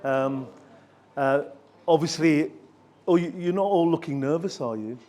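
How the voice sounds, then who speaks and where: A man's voice: on the high side, unhurried, a little mellow. An older man with an English accent, giving a chatty, joking talk to students and slipping between English and Bengali. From England. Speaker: visiting education counselor and professor.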